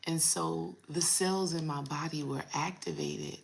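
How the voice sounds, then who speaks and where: A woman in her thirties with a raspy, low morning voice, talking casually to her viewers as a spiritual coach. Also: sing-song, poor audio. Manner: chatty, addresses viewers as y'all, drawn-out pauses. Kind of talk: casual vlog talk to viewers.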